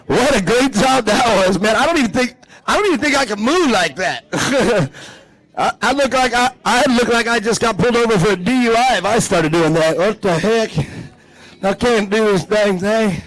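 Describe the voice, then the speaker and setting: A man announcing live at an outdoor off-road race track, energetic and joking as he hypes the crowd. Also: very high-pitched, brisk, no room sound, low-quality recording.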